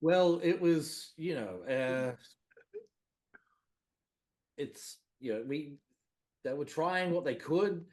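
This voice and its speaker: A man's voice: a little high, animated, slow, pauses often, a little mellow. A man appearing as a guest on a sports podcast, dropping dry joking asides. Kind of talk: casual sports chat.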